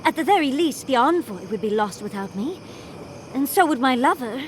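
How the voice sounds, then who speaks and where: An actress playing an earnest, excitable young wizard in a video game, expressive and a little hesitant. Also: female voice, high-pitched, normal speed, slight background noise. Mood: flustered, excited. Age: young adult. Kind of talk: video game character acting.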